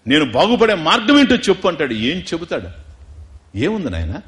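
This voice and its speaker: Lively man telling a devotional story. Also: on the high side. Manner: storytelling with questions to listeners, acting out dialogue; slows down for emphasis, chants Sanskrit verses. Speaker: spiritual discourse speaker. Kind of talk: Telugu religious discourse, storytelling.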